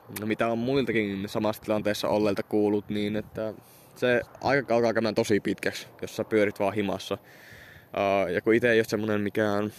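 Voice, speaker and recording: The sound is dry and close, with no echo. Intonation stays monotone and flat. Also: man, fairly low pitch for a man, moderate pace. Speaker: solo podcaster. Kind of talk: casual monologue. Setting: outdoors by a motorway. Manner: halting.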